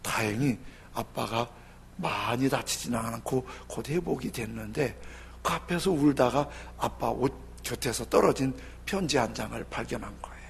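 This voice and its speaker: A male pastor preaching a sermon, telling a story with emotive swings between loud and hushed. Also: mid-range voice, measured pace, vocal fry, slight background noise. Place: church sanctuary. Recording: long church hall reverb.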